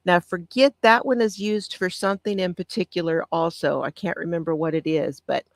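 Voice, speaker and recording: A woman hosting a casual live stream, with a soft, calming voice, reading out notes on breathing and answering viewer comments. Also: fairly low pitch, no echo, clean studio sound. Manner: gentle, reads aloud with pauses and answers viewer comments. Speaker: craft channel host.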